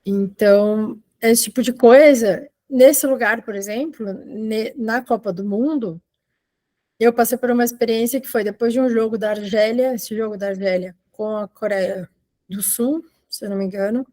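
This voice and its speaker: A woman's voice: fairly high pitch, steady tone, moderate pace, dark tone. Conversational woman presenting on a video call. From Argentina, living in Brazil. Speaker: photojournalist giving a talk. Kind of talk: informal online presentation of own work.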